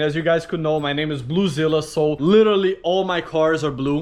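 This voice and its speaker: In a Portuguese accent, a speaker talks at a fairly quick pace with ordinary pitch variation, with noticeable background noise behind. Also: man. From Brazil, moved to New York at nine. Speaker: car YouTuber. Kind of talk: casual vlog tour. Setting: garage.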